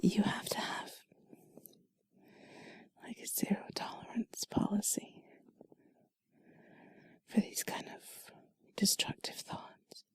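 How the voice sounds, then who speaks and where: A woman doing an intimate whispered role-play in a soft, breathy, sultry and soothing voice, speaking slowly and deliberately, close to the mic. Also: no room sound. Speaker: intimate audio narrator. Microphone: close mic, dry.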